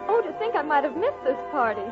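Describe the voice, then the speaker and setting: A young single gal in an old radio ad, quick to bristle. Her high voice swings freely up and down. The sound is muffled, like a vintage broadcast. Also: very animated, over music. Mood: delighted. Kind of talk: 1940s radio commercial acting.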